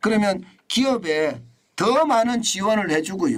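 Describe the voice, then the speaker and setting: A high-pitched man's voice at a moderate pace, with very wide pitch swings. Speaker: news commentator. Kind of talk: news commentary monologue.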